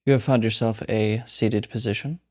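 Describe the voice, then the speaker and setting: A man leading a guided meditation as a teacher, speaking calmly and unhurriedly with long pauses. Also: lowish voice.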